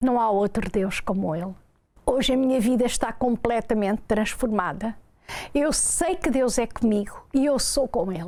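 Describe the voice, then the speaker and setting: A woman with a European Portuguese accent, fairly high in pitch, at a moderate pace with lively intonation. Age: 70s. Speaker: church member. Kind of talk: testimony.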